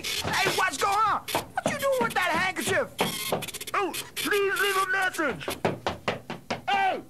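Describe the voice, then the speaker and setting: A man voicing an anxious company answering machine with feelings in a scripted comic message. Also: very high-pitched.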